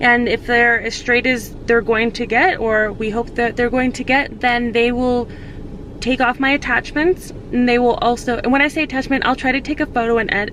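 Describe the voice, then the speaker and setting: A woman with a high pitch at a moderate pace, over noticeable background noise. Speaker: vlogger. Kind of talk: casual vlog update.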